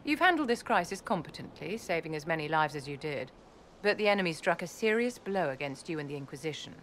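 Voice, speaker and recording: Imperious court advisor, fantasy game, low voice, haughty, formal, measured. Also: female voice, sing-song, a bit bright, a little hiss or hum. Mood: stern, appraising. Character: poised, commanding, imperious noblewoman court enchanter and advisor. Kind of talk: fantasy video game acting.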